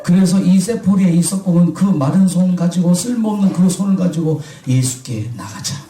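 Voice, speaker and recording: A man's voice: sits high, normal speed, warm tone, echoey room, distant mic, soft background music, rough recording. A man preaching a sermon who keeps asking his congregation questions and then answering them himself. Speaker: pastor.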